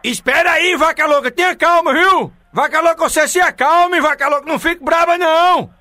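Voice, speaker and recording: A man's voice: very high voice, brisk, bright, forceful tone, no room sound, clean studio sound. A man hosting a radio prank call, teasing and mock-polite as he repeats his catchphrases. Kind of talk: prank phone call banter.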